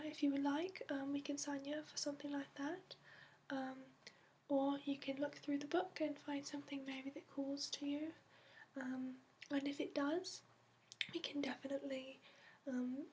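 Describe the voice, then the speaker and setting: A gentle dragon scholar acted out by a woman speaks in a soft, high voice for an ASMR fantasy roleplay. The melody stays flat and the explanations wander patiently, with many small hesitations, in a put-on accent. There is some noise behind the voice. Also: close to an everyday voice. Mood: gentle, explanatory. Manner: hesitant, gentle, meandering explanations with frequent fillers. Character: soft-spoken, patient female dragon expert interviewing a new student. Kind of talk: ASMR roleplay, hushed and improvised.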